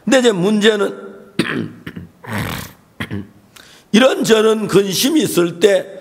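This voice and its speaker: Male pastor, sermon delivery in church; gravelly, slightly high, storytelling. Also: sing-song, extremely slow, long pauses. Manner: storytelling, acting out the voices of the people in his story; frequent throat clearing.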